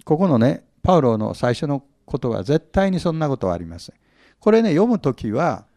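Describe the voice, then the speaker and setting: Lively gravelly-voiced male pastor. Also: a little high, moderate pace, dry recording, studio quality. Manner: asks the audience questions often; humorous, acts out little scenes. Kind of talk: Bible teaching sermon.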